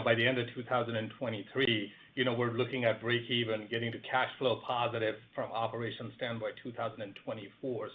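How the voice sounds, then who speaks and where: A man answering analysts as an executive on an earnings call, measured and peppering his answers with "you know" and "right". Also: mid-range voice. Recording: tinny phone conference line with noise.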